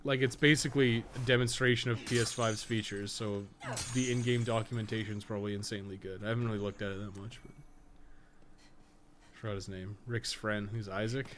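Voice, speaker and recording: Low-voiced man rambling over clear background noise. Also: steady tone, brisk, fairly bright tone. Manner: opinionated, rambling, profane, thinking aloud. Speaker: game streamer and guide maker. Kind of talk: casual gameplay livestream commentary.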